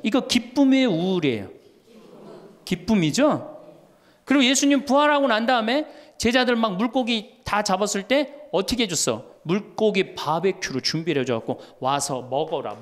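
A middle-aged man, a Catholic priest, giving a humorous talk to an audience and acting out the voices in his stories. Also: high voice. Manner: storytelling, acts out quoted voices, laughs along. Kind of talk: humorous lecture.

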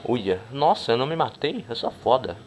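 A man giving casual, crude, joking commentary over a game he plays, breaking into excited shouts. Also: mid-range voice, moderate pace. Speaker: gameplay commentator.

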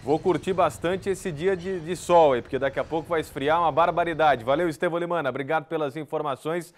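Relaxed, conversational male news anchor. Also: a little high, fast talker. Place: TV studio.

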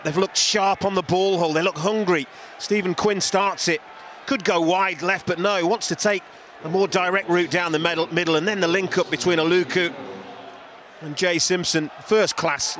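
A man giving measured football co-commentary, stressing key words by repeating them. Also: a little high, fairly bright tone, a little hiss or hum. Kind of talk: football match analysis.

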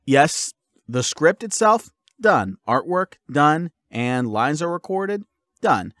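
A man giving his listeners a casual update as an audio creator, informal and halting as he thinks aloud. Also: fairly high pitch, very animated, a bit bright, no room sound, clean studio sound.

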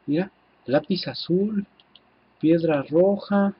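A man with a Mexican accent giving casual, excitable gameplay commentary, swearing freely and talking to his viewers. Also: on the high side, takes it slowly, husky, muffled recording. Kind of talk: casual let's-play commentary.

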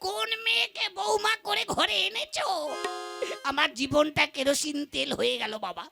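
A woman's voice: high voice, moderate pace, creaky. A woman voicing a hysterical young husband in a comic folk puppet play, wailing and melodramatic. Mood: complaining. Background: folk instrumental music.

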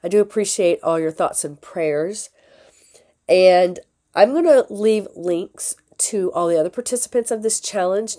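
A middle-aged woman with a hoarse, sick-sounding voice, talking casually through a jewelry-making tutorial with fillers and soft laughs. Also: lowish voice. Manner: slow, unhurried talk with fillers and soft laughs. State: hoarse from a lingering illness.

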